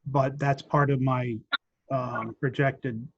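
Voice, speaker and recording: A man reports on projects in a flat, level tone while losing his voice, so his throat keeps catching. He speaks haltingly and starts sentences over. The call audio is muffled and lo-fi. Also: mid-range voice, vocal fry, background noise. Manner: halting, many ums and restarts, measured. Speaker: land bank staff member giving project updates. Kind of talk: meeting discussion.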